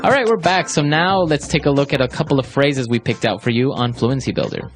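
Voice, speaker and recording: A man's voice: mid-range voice, fairly quick, over music. Man co-hosting an English lesson. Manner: leads segments, affirms often. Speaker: co-host, English teacher. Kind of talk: language lesson podcast chat.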